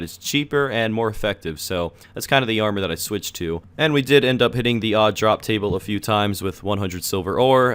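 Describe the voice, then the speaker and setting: A young man who is sick and losing his voice, talking casually over his gameplay footage as a gaming video creator, relaxed and chatty with frequent "uh"s and "you know"s. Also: on the low side, clear, resonant tone. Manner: relaxed, chatty, filler-heavy.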